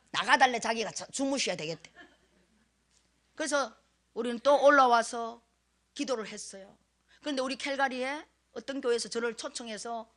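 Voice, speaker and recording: A middle-aged woman preaches into a handheld mic in a church sanctuary, her voice sitting a little high. She tells a personal testimony with raw emotion, sinking to near-whispers and then rising to loud, pleading cries. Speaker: guest preacher. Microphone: handheld microphone.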